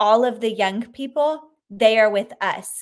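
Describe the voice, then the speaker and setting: Speaking at a very slow pace, a woman with a Southern US accent uses a fairly high pitch. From Arkansas. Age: 20s. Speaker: political candidate. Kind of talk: interview.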